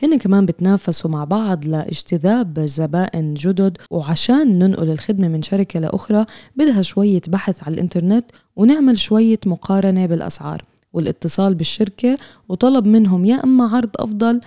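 A woman's voice: medium pitch, expressive, fast talker, mellow, no room sound, clean studio sound. A woman with a Levantine Arabic accent, hosting a conversational explanatory podcast. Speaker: podcast host.

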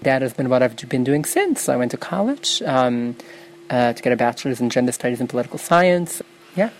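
A woman's voice: a bass voice, very animated, fairly quick, slight background noise, rough recording. A young woman from New York, a native Yiddish speaker, answering interview questions in an earnest, self-correcting way. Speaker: interview guest.

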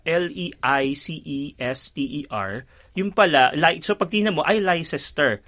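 A man from the Philippines co-hosting a casual radio chat, talking in a lively way, laughing often and spelling words out letter by letter. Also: on the high side, moderate pace. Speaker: radio co-host.

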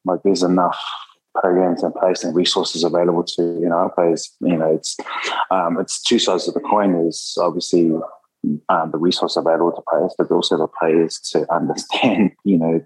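A man's voice: sits low, little pitch movement, normal speed, breathy edge, low-quality recording. A man speaking in a casual interview, thoughtful and full of fillers.

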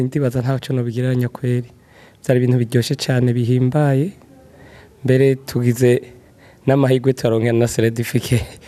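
A man's voice: mid-range voice, mellow. A man from Burundi, speaking earnestly and gratefully in a radio interview. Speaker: community representative.

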